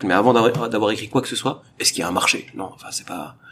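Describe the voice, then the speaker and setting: With a plain, everyday voice, a man speaks at a moderate pace and medium pitch with ordinary pitch variation. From Morocco (Fès). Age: 30s. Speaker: comedian. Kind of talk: casual interview over a meal.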